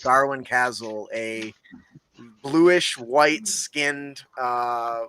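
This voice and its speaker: A man running a tabletop game as game master, narrating casually with many fillers and pauses. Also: mid-range voice, bright, forceful tone, smooth, dry recording, rough recording.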